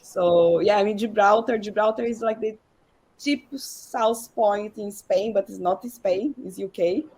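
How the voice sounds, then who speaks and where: Wanita Brasil, banyak bilang "like". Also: female voice, medium pitch, unhurried, darkish tone, rough recording. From Brazil. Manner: chatty, lots of "like". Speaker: panelist. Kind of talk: casual chat.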